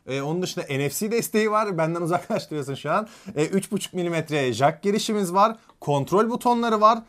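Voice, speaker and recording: A man co-hosting a casual tech unboxing, calmly reading out the product's specs and listing what is in the box. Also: high-pitched, brisk. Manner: relaxed, reads out specs from the box.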